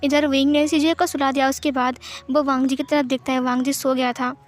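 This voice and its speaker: Woman, high voice, chatty storyteller, casual retelling, repetitive phrasing. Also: level tone, a little fast, soft background music. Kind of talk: casual fan fiction retelling.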